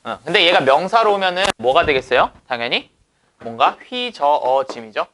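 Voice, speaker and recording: Lively, bright-voiced male teacher. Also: on the high side, normal speed, a little hiss or hum. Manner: asks rhetorical questions and answers them. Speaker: English teacher. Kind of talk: lecture explaining exam passages.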